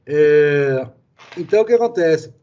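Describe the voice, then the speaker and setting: Man, fairly high voice, mellow tone, interview host. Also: lively intonation, a little slow, highs cut off. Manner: storytelling, many fillers and restarts. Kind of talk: conversational interview.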